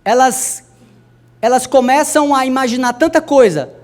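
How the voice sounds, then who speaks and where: A young adult man preaching a sermon to a congregation, speaking to them directly and swinging his voice from soft to loud. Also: normal speed. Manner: addresses the congregation directly, wide swings in pitch and loudness.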